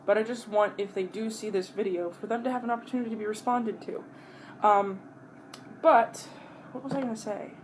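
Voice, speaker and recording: A woman talks casually to her audience during a meal, in an average-pitched voice. She rambles and pauses to chew between bites. Her wording is blunt and peppered with swearing, and faint noise sits behind the recording. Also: rough recording. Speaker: mukbang vlogger. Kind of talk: casual rambling chat to viewers while eating.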